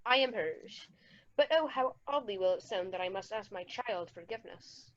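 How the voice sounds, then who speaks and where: A woman's voice: mid-range voice, lively intonation, normal speed, lightly acted. A woman playing a solemn, wondering king and father in a Shakespeare radio play. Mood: solemn, moved. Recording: dull, lo-fi amateur recording.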